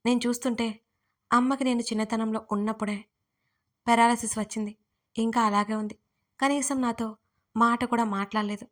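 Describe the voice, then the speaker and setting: A woman voicing a gentle young man who pleads softly, read in an audio story. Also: a little high, fairly even intonation, normal speed, pauses often, natural voice. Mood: pleading. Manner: soft, pleading.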